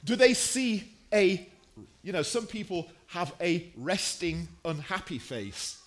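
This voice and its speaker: A man preaching a sermon in a deliberate, emphatic way, pausing between phrases and posing rhetorical questions. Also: sits high, very animated.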